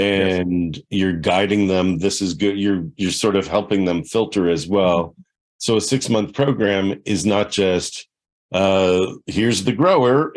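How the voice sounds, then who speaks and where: An ordinary speaking voice, a man's, fairly low in pitch with ordinary pitch variation and very even loudness. He goes at a fairly slow pace on a very clean recording with a silent background. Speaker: podcast host, success coach. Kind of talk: interview question.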